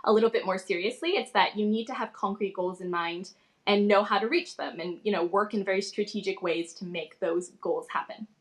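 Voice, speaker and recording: A woman's voice: medium pitch, fairly quick. A young woman, a travel blogger, earnestly explaining advice on a video call. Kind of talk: casual panel advice. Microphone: video call webcam.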